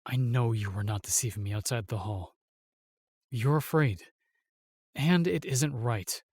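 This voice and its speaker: Protective royal guard for fantasy audio drama, male actor: earnest, measured, medium pitch, dry studio sound. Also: darkish tone, husky, no echo. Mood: earnest, solemn. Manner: formal, measured, reassuring.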